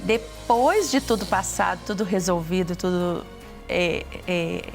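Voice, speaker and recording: A middle-aged woman from Brazil giving an earnest personal testimony, talking haltingly and restarting often. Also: on the low side, faint music behind.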